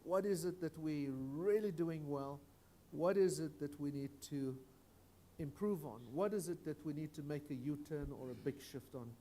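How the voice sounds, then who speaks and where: Mellow-voiced male panel chair. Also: a little high, moderate pace. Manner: repeats words when starting sentences.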